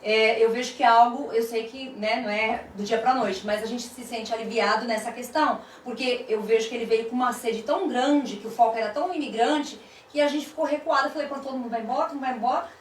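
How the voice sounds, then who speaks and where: A woman's voice: fairly high pitch, fast, hardly any pauses. A woman with a Brazilian accent hosting a talk show conversationally, acting out remarks as she tells them. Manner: chatty, acts out quoted remarks. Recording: echoey room, distant mic, background noise.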